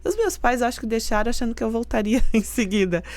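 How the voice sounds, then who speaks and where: Speaking fast and very animated in a slightly high voice, a middle-aged Brazilian university rector from Santa Catarina fields interview questions on a dry recording. The casual talk finds her earnest and explaining at length, punctuated by soft laughs.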